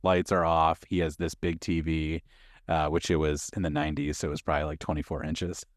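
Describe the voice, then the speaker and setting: A man's voice: extremely low pitch, little pitch movement, fairly quick, no echo, studio quality. A man in his thirties co-hosting a movie podcast, rambling and laughing as he trails off mid-sentence. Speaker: podcast co-host. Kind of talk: casual chat about movies.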